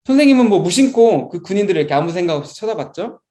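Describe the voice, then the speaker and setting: A young man, a Sunday school teacher, telling a story to children in a lively, expressive way. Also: sits high, rapid-fire.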